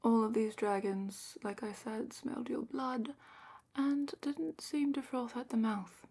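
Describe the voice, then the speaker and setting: A woman playing a calm, patient dragon keeper guiding a student, in a gently wry, soft whisper for a fantasy ASMR roleplay, close to the microphone. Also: fairly high pitch, measured pace, exaggerated voice. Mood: calm, instructive. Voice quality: breathy whisper and soft-spoken murmur.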